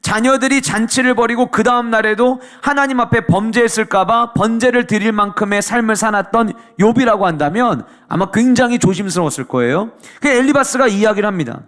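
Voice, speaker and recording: High-voiced Korean man preaching a sermon. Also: fairly quick, few pauses, fairly bright tone. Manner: explanatory, asks the congregation questions. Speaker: pastor.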